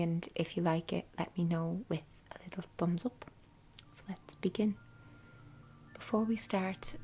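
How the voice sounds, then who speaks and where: A woman leading a guided meditation in a soft, breathy, half-whispered voice with an unhurried, soothing delivery. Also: fairly low pitch, a little hiss or hum. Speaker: host guiding a meditation. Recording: soft music bed behind voice. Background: quiet background music.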